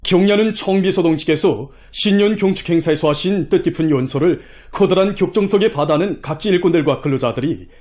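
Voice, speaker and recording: A man's voice: sits high, fairly quick, hardly any pauses, darkish tone. North Korean man reading state news. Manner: stately, emphatic delivery. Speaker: news narrator. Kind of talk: formal broadcast news narration.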